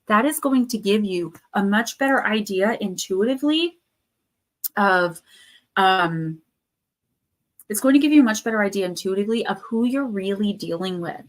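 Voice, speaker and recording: A woman hosting a live card reading stream, losing her voice with a sore throat, chatting loosely with many fillers and restarts. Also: medium pitch. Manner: reads card texts aloud, then riffs loosely with fillers and restarts. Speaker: tarot and oracle card reader, channel host.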